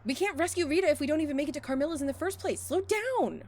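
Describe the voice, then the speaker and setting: A woman playing an anxious, quick-talking companion. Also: high voice, expressive, a little mellow, soft background music. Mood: worried, pleading. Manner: pleading, sensible.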